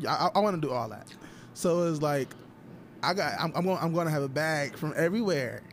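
Black american guy w an african american accent, kinda high voice, repeats himself a lot, chatting, noisy background. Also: lively intonation, a little fast. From Toledo, Ohio, USA. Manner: repeats and restarts phrases emphatically. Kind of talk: casual group chat.

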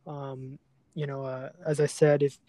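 A man hosting a serious podcast conversation, speaking earnestly and haltingly, often repeating words as he goes. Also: medium pitch, flat delivery, dark tone, no echo. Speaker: podcast host.

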